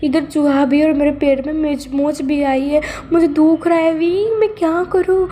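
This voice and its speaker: Storybook figure: clingy young man crying over a rat, a woman puts him on, high and pleading. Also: steady tone, moderate pace, mellow, slight background noise, natural voice. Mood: panicky. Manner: whiny, panicky, pleading.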